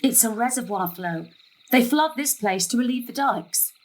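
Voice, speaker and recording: A woman's voice: a little high, animated, moderate pace, lightly acted. An actress playing a weary, guarded middle-aged mother with a terse, exasperated manner in an audio drama. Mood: brisk.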